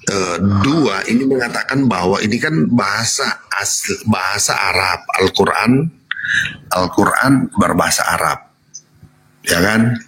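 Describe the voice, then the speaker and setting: A man's voice: fairly low pitch, measured pace, a bit bright, a little hiss or hum, poor audio. A man arguing insistently in a heated debate, pleading not to be cut off. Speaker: debate guest.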